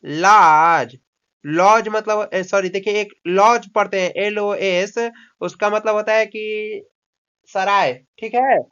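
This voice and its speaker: A man's voice: high voice, fairly even intonation, slow pace, a bit bright, clean tone. Male tutor, coaxing and scolding, drills words by repeating them, muffled lo-fi sound. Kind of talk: English lesson taught in Hindi. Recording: dull lo-fi recording.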